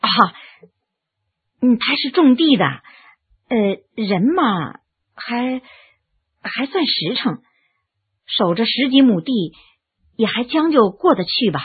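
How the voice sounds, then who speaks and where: A woman voicing a timid, poor young village wife who speaks softly and haltingly. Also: on the high side, sing-song, husky, narrow, tinny audio, full character voice. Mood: timid, sad. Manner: halting, hesitant, soft-spoken.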